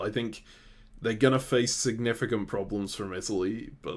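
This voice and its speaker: A man speaks at a moderate pace in a British accent. His pitch is fairly low and his intonation fairly even. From Britain. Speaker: board game strategy commentator. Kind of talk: casual analysis chat.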